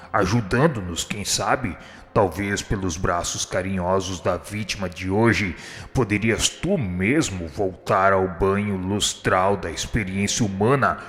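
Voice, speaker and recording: A man's voice: sits low, a bit bright. An actor playing a kind, humble spirit instructor in a radio drama, solemn and eloquent as he pleads. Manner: solemn, supplicating, formal and eloquent. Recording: long hall reverb, music underneath. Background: music.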